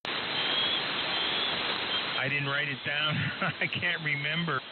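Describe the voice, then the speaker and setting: A man's voice: fairly high pitch, fairly even intonation, slow pace. Male ham operator, American accent, informal signal-report chat, phone-like radio band swamped in static. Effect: shortwave radio transmission. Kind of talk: ham radio contact, casual exchange. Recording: narrow shortwave signal with loud static.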